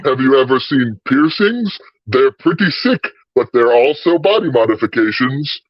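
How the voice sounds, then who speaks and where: A man's voice: mid-range voice, lively intonation, no echo, pitched below the performer's own voice. Man with a voice-changed devil, dull dry sound. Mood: mock-sinister. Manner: mock-sinister, jokey, slow drawl. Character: smug male devil playing devil's advocate. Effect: voice changer, morphing voice.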